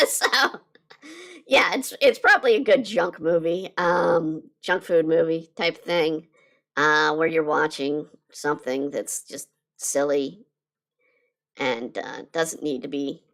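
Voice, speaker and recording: A woman chatting casually on a live drawing stream, her voice slightly hoarse from being sick, rambling with lots of fillers and restarts. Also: sits low, expressive, slow, fairly bright tone. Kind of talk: casual chat while drawing.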